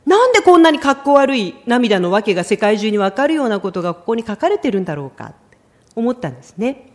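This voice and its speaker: A middle-aged woman preaching a sermon in an expressive storytelling way, often acting out the lines she quotes. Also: fairly high pitch, fast.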